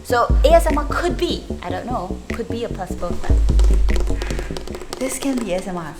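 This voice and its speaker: A woman's voice: on the high side, lively intonation, a little fast. A woman explaining things as a vlog host in an informal, chatty way, often throwing in rhetorical questions. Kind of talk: casual explanatory video narration. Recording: music behind the voice. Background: music.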